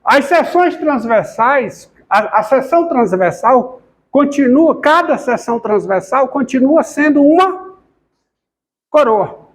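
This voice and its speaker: High-voiced man teaching calculus. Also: animated, takes it slowly. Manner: repeats questions to the class, talks while writing. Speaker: math lecturer. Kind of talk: calculus lecture at a board.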